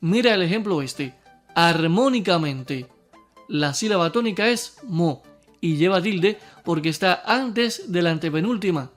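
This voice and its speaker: A man with a high, light voice gives a scripted spelling lesson. He talks straight to the viewer, clearly and deliberately, and slows down to spell out each example word. Soft music plays faintly underneath. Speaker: teacher.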